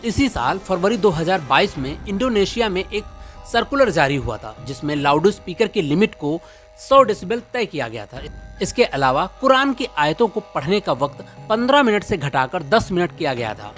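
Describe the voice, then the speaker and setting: News explainer presenter, Indian accent, medium pitch, reads from script over a music bed. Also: very animated, normal speed, fairly bright tone. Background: background music.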